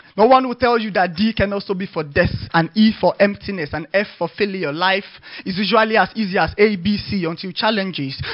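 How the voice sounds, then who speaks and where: Talking at a fairly quick pace against a quiet background, a man with a Nigerian accent uses a high pitch and ordinary pitch variation. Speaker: spoken word poet. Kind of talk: live spoken word poetry performance addressed to his child. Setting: stage with live open mic audience. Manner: rhythmic, incantatory delivery with repeated refrains; building, exhortative intensity with emphatic commands.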